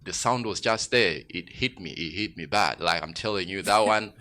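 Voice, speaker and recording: Deep-voiced, bright Tanzanian man. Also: moderate pace. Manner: reflective, grows animated and emphatic when excited. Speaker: guest musician. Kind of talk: radio studio interview. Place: radio studio.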